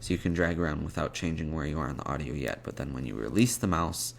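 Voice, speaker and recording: A man with a very low voice walks slowly through code in a casual screencast. He pauses often as he thinks aloud, step by step. Keyboard clicks and clear background noise sit behind him. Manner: halting, thinking aloud while typing. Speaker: programming tutorial presenter. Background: computer keyboard typing and clicks.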